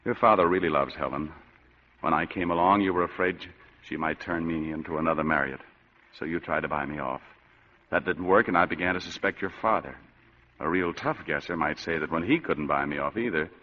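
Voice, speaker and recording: A man's voice: extremely low pitch, brisk. An actor playing a weary, wisecracking male private detective in a 1940s-style radio drama. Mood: wry. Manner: wisecracking, sardonic. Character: hard-boiled male private eye, sardonic, weary. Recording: dull lo-fi old radio recording.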